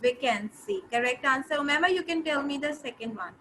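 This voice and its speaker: A woman's voice: high voice, animated, a little fast, sharp tone, slight background noise. A woman with a South Asian accent teaching an interactive grammar lesson, instructive, repeating phrases and checking that pupils understand. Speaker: English teacher.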